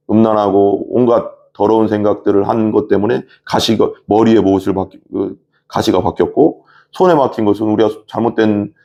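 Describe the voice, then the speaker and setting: Male pastor, conversational sermon, low gravelly voice. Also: mellow. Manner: conversational explanation with rhetorical questions.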